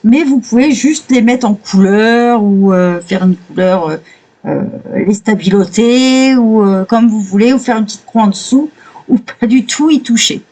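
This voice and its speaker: A woman with a mellow, warm voice talks her way through a coloring book, page by page. Her voice sits a little high, and she keeps stopping to gush in admiring little exclamations. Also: a little slow, rough recording. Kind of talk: casual flip-through commentary.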